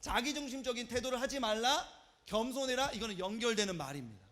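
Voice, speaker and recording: Youth pastor, male, 30s: high, very expressive voice, storytelling sermon to a hall of teens. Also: fast talker. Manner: animated storytelling, acts out quoted voices. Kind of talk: lively youth retreat sermon. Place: church hall at a youth retreat.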